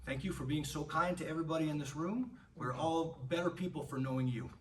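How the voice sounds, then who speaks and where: A man giving an animated, emphatic black belt ceremony speech to his martial arts class, swearing freely. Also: fairly high pitch, fast talker. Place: martial arts gym, indoors. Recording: distant voice with faint room noise.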